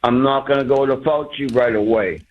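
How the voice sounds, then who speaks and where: A man's voice: mid-range voice, moderate pace. A man in his sixties calling in to a radio show over the phone, ranting heatedly. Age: 60s. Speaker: caller. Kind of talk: call-in radio rant. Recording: tinny phone line.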